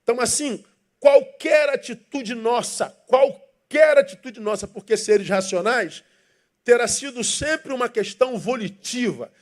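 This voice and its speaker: High-voiced emphatic preacher. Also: male voice, lively intonation, a little slow. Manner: emphatic and rhetorical, asking questions and leading the congregation in reading. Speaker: pastor. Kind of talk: sermon. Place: church.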